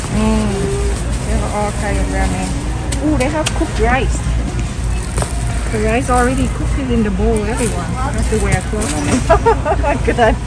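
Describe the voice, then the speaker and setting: Loud music plays in the background. The speaker leaves long, frequent pauses. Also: moderate pace. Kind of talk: casual vlog chat. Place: shop. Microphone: phone near.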